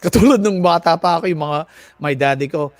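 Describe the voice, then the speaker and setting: A man with an American accent speaks in a fairly high voice with very little room sound. He chats casually and with animation, as if on a livestream. He pokes fun at himself and halts a little when he switches languages. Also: dry recording. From United States, of Filipino family. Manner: animated, self-deprecating, halting when switching into Tagalog. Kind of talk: casual livestream chat mixing English and Tagalog. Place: online video livestream.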